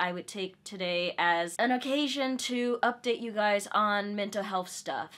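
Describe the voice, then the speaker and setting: A woman speaks with lively intonation. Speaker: vlogger. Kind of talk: casual vlog chat. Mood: warm, frank, a little playful. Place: home room. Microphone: phone near.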